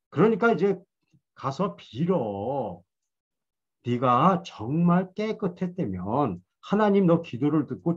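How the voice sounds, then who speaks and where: A man's voice: fairly high pitch, breathy edge, muffled recording, full character voice. A man voicing a self-righteous male friend who scolds and lectures in a hectoring way.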